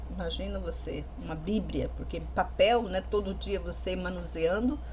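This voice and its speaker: A woman speaks at a fairly slow pace. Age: 60s. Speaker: pastor. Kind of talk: Bible study livestream. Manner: conversational.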